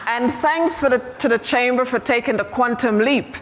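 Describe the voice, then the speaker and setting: A woman speaker greeting a conference audience in a warm, playful way. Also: fairly high pitch, moderate pace, a faint crowd. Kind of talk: addressing an audience.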